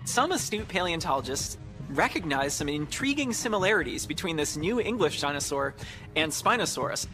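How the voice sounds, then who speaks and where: A man's voice: a little high, sing-song, fairly quick, rough recording. A man in his thirties explaining as an expert in an indoor documentary interview. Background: background music.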